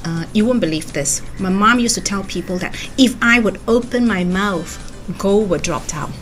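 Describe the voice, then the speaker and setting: A woman, a guest telling her own story in a studio interview, chatty and animated. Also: mid-range voice, moderate pace. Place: web radio studio. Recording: music playing under the voice.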